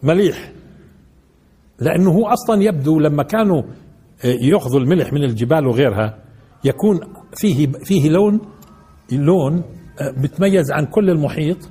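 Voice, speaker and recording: A man's voice: a little high, lively intonation, brisk, pauses often, mellow, breathy edge, soft background music. A man teaching a class, asking his listeners questions and repeating key words. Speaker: sheikh teaching Quran commentary. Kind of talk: classroom lesson in colloquial Arabic.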